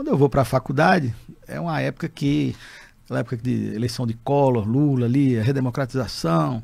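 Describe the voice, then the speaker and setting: A somewhat breathy male voice. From Brazil (early childhood in Algeria). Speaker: company executive. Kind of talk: podcast interview, life story.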